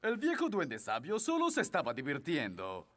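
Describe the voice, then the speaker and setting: A man's voice: a little high, wildly swooping pitch, normal speed, a bit bright. An actor voicing a blustery, authoritative fairy king and father in a Latin American Spanish children's cartoon dub. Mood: scolding.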